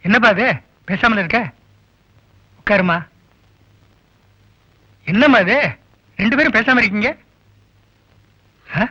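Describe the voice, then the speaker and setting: An actor playing a weary older uncle in a film, speaking in a coaxing, earnest way. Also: male voice, sits high, sharp tone, dry recording. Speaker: film character. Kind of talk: film dialogue. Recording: dull film audio with music.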